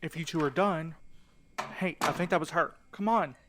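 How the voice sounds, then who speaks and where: A man's voice: fairly high pitch, normal speed, noisy background, close to an everyday voice. A man acting in an audio drama as a cautious, exasperated and sardonic young sleuth with a wry, insistent manner. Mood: urgent.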